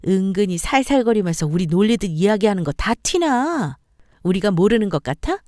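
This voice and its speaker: A woman's voice: mid-range voice, sing-song, normal speed, darkish tone, no room sound, clean studio sound, lightly acted. Woman voicing a sneering, bossy sister-in-law. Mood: scornful. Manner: sarcastic, bossy, needling. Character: sharp-tongued, sneering sister-in-law, a mother.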